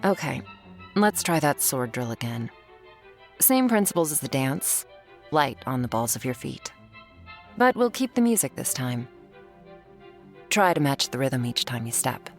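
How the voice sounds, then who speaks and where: A woman's voice: rumbling low, big pitch swings, a little slow, pauses often. A woman performing an ASMR roleplay as a commanding, teasing werewolf hunter who instructs the listener. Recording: faint string music behind.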